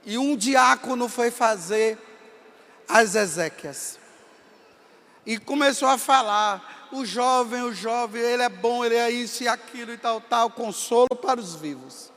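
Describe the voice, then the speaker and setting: A Brazilian priest in his fifties with a Bahia accent, telling stories in a sermon and rising to impassioned shouts. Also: extremely high pitch, unhurried. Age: 50s. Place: large hall at a camp gathering. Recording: long reverb of a large hall.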